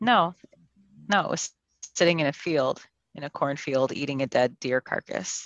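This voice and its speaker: With an Upper Midwest US accent, a woman talks in a very deep, low voice with lively intonation and long, frequent pauses. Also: moderate pace. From rural Wisconsin. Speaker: guest co-host. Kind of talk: casual chat. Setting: video call.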